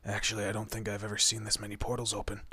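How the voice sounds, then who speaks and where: A man plays a male monster detective in a horror audio roleplay. His voice is low and husky with a bright, forward edge. He talks casually, needling his human partner while looking out for them. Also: monotone, rapid-fire, no echo. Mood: intrigued, dry. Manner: casual, teasing, muttered asides. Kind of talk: horror roleplay audio drama, addressing the listener.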